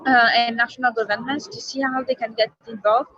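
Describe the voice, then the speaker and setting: A woman panelist from a youth climate network, speaking hesitantly with many fillers, her voice slightly croaky. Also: on the high side, steady tone, a little fast, highs cut off, very noisy. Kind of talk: panel discussion over video call.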